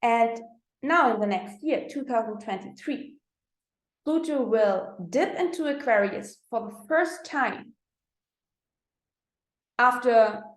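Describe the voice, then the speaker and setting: A woman with a German accent, a non-native English speaker giving a spiritual astrology talk, pausing often and searching for her words. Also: fairly high pitch, expressive, roomy sound, poor audio. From Austria. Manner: slow, halting, searching for words with many fillers.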